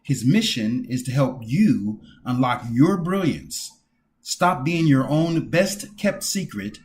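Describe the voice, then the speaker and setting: A man hosting an interview podcast, introducing his guest in a measured, formal way. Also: medium pitch, big pitch swings, a little mellow. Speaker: podcast host.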